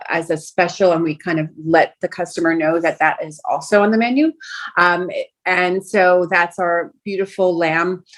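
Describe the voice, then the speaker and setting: A middle-aged woman from Brooklyn talks in a slightly low voice. Her was Greek. She chats loosely as an interview guest, full of "you know" and restarts. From Brooklyn, New York. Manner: chatty, many fillers and restarts. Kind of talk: casual interview chat.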